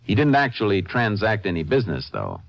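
An actor playing a shrewd, steady Texas Ranger with a laconic, folksy manner in a 1950s radio drama. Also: male voice, lowish voice, creaky, full character voice. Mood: calm, probing. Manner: laconic, folksy, unhurried authority. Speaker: lead actor and narrator. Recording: noisy vintage radio recording.

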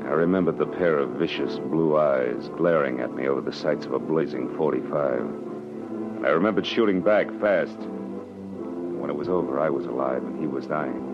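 An American actor playing a wry, world-weary private detective, narrating tersely and dramatically in 1940s radio drama style. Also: male voice, extremely low pitch, moderate pace, over loud music. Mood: grim narrating. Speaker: actor narrating as lead character. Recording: noisy, muffled old-time radio recording.

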